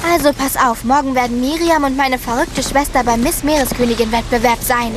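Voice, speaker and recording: A woman's voice: high voice, steady tone, a little fast, noisy background, lightly acted. A woman voicing a bossy scheming little girl. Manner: bossy, conspiratorial, insistent. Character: scheming excitable young girl, little sister. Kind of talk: cartoon dubbing.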